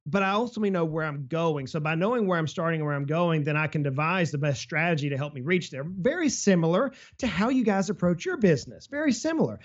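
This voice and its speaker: Upbeat male advisor, slightly high voice, conversational, muffled lo-fi audio. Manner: energetic, explains with travel analogies and hypothetical quotes. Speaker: financial advisor guest. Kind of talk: casual business podcast talk.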